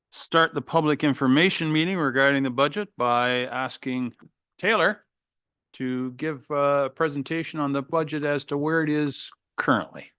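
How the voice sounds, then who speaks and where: A man with a smooth, clear voice calls a council meeting to order. His delivery is brief and procedural, close and dry on the mic. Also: mid-range voice, a bit bright, no echo. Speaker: meeting chair. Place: council chamber.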